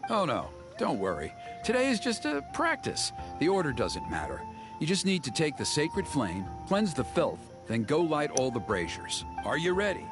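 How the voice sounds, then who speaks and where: A man's voice: a little high, wildly swooping pitch, normal speed. A man voicing an earnest tribal mentor who patiently explains ceremonies. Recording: game audio with music.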